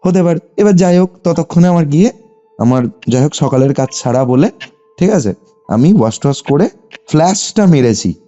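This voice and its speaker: Muffled, mellow Bengali man telling a story. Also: fairly high pitch, brisk. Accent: Bengali from West Bengal. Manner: animated telling, often seeking confirmation with short tags. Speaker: caller telling a personal ghost story. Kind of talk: conversational personal storytelling. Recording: muffled lo-fi phone call, music behind. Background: background music.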